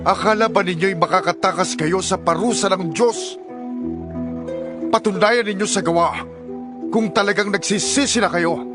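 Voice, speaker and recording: A man performs a fiery preacher of the wilderness in a dramatized scripture recording. His voice is pitched well up and he exhorts sternly, like someone calling for repentance. Music plays clearly behind him. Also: natural voice. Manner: declamatory, exhorting.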